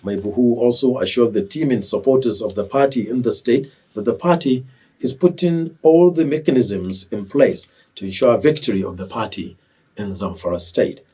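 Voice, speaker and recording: Nigerian guy anchoring tv news, formal and measured, husky voice, sounds a bit off the mic. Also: mid-range voice, a little mellow, far from the mic. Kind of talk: scripted TV news reading.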